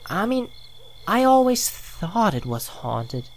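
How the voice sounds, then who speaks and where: A woman's voice: medium pitch, very animated, slow pace, heavily acted. A woman playing an earnest young believer in local ghost legends, speaking hesitantly and conversationally in an amateur audio drama. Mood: earnest, nostalgic.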